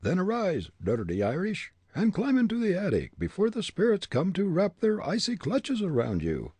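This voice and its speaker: A man voicing a devilish hanging head in a storybook, hoarse and gurgling, mocking and giving menacing commands. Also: high-pitched, huge pitch swings, moderate pace, a little mellow, dry recording, voice pushed up, full character voice. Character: taunting devilish hanging head, a ventriloquist's thrown voice.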